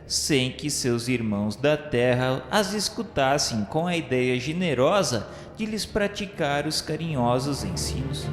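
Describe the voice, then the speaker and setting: A Brazilian man reading a scripted dramatic radio narration in a solemn, formal, measured manner. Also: medium pitch. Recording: echoey hall-like reverb. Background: music.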